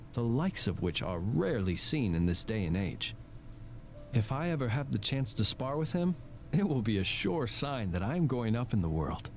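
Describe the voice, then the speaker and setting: A grandiloquent male swordsman from a video game. His delivery is theatrical and animated, with a gravelly edge. He speaks in florid, declamatory phrases, full of knightly admiration, over music. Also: medium pitch. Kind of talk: video game character voice acting. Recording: game audio with music behind.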